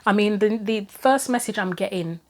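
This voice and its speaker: A woman giving a chatty solo tarot reading and reading guidebook passages aloud, her voice going hoarse. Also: mid-range voice, normal speed. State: losing her voice, throat going. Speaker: tarot reader.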